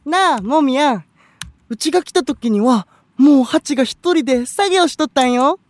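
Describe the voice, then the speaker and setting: A man playing a gentle, candid young male idol with a Kansai accent in an anime-style audio drama, soft-spoken and considerate. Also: extremely high pitch, animated, normal speed. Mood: friendly, curious.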